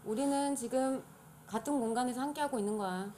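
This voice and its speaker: A young woman guest on a live stream who gives mostly short, soft replies while her co-host talks. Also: high-pitched, fairly quick, slight background noise. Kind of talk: casual stream chat.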